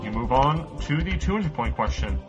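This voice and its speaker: A man hosting a casual podcast quiz, laughing as he reads the questions and choices. His voice sits at an everyday pitch. The audio is dull and lo-fi, with music clearly underneath. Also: expressive, normal speed.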